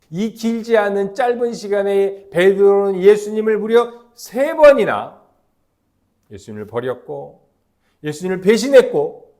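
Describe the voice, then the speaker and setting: A middle-aged man preaching a sermon as pastor, emphatic and lively, leading the congregation in call-and-response chants. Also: high voice.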